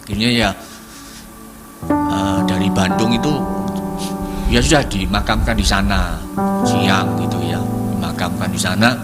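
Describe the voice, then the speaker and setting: A middle-aged man giving a testimony at a church prayer service, halting and repeating himself as he searches for words. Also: sits low, steady tone. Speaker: congregation member giving testimony. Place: church hall. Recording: church service with music playing behind.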